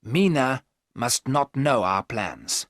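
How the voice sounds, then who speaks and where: A man playing an older professor in a storybook, firm and measured as he lays out his plans. His pitch sits a touch above the narrator's own and moves lively. The sound is dry and close. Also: no room sound.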